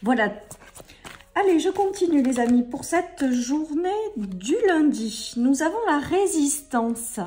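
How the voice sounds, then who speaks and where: Amid noticeable background noise, a woman with a high pitch talks very slowly, her pitch swinging very widely between long, frequent pauses. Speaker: tarot card reader. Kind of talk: tarot reading guidance. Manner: hesitant, many filler sounds.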